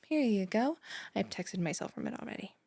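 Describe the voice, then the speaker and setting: A woman's voice: mid-range voice, expressive, fairly quick, vocal fry, darkish tone, breathy edge. A young woman playing a bubbly, ditzy, easily offended student who gushes and rambles in a one-sided audio roleplay. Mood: perky, pushy. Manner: gushing, rambling, dramatic gasps and sighs.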